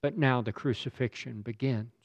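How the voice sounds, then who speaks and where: A man's voice: medium pitch, steady tone, moderate pace, dry recording. A man preaching a sermon in a dramatic, emphatic way, building his points through rhetorical questions. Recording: slightly dull lo-fi recording.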